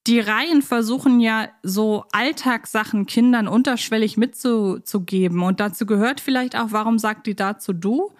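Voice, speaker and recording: A woman's voice: fairly high pitch, moderate pace, hardly any pauses. Chatty woman hosting a casual podcast. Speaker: podcast host. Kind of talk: casual podcast discussion of children's audio dramas.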